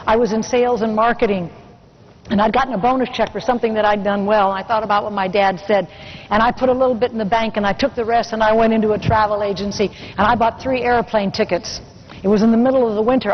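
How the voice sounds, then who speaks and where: A woman's voice: mid-range voice, a little hiss or hum. Woman telling earnest stories on a lo-fi recording. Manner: earnest storytelling with rhetorical questions to the audience. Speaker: motivational speaker. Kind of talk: motivational keynote speech.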